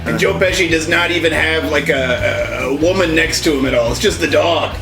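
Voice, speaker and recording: A man's voice: a little high, brisk, roomy sound, recorded from a distance, music in the background. A man trading absurd, offbeat one-liners as a comic guest on a radio show.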